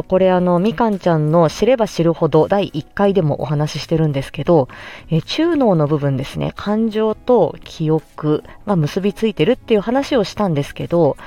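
A woman speech therapist chatting through an explanation in a casual podcast, lively and full of little hesitations. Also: fairly low pitch.

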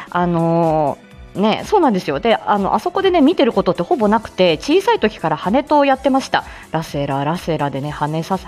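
A woman's voice: medium pitch, a little mellow. Chatty woman hosting a morning live stream. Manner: chatty, laughs often, many fillers.

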